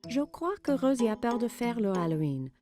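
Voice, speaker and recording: A woman's voice: a little high, very animated, normal speed, over music. A woman playing a kind young mother in a children's cartoon, speaking in an encouraging, playful way. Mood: reassuring. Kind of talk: animated children's cartoon dialogue.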